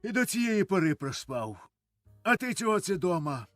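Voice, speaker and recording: A man's voice: high-pitched, sing-song, normal speed, no echo, faint music behind. A man reading the part of a grasping, coarse old farmer who curses and grumbles, in a dry studio audiobook of a stage play. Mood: gruff. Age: older. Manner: gruff, cursing, shouts in his sleep.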